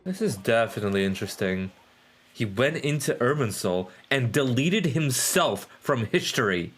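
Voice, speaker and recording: Male game streamer: mid-pitched, casual, rambling, loose-tongued live commentary. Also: expressive, normal speed, breathy edge. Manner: sweary, rambling.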